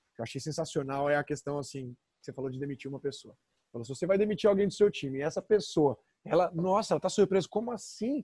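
Talking at a very fast pace, a man uses lively intonation and big swings in loudness, his pitch fairly high. The tone is dark, mellow and somewhat breathy, in a dry, close sound with no echo. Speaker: podcast host, sales supervisor. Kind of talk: casual interview chat.

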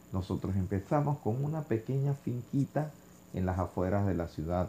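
In a dark, mellow tone, a man speaks at a fairly slow pace while his pitch swings very widely. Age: 50s. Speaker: podcast co-host. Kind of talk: casual chat.

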